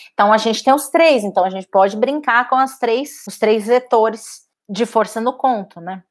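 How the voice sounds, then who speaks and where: A middle-aged woman, a storyteller and therapist talking casually and expressively, full of asides and quoted dialogue. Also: fairly high pitch. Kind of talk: casual talk to camera.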